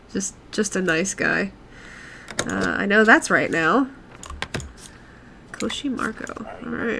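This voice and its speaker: Noticeable background noise accompanies a woman who speaks at a very slow pace with long, frequent pauses. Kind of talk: casual let's play commentary.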